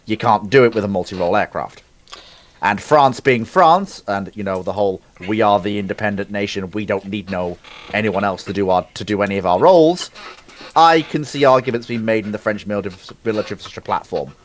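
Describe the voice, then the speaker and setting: A man's voice: fairly low pitch, brisk, slight background noise. A man in a live debate on military procurement, earnestly building his argument step by step.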